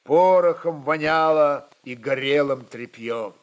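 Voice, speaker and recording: A man reading historical fiction as a dramatic narrator, measured, expressive and emphatic. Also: fairly high pitch.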